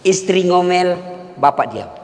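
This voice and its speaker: A man preaching a humorous sermon, emphatic and joking, sometimes raising his voice to a shout. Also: high-pitched, expressive, a little slow. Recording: long hall reverb.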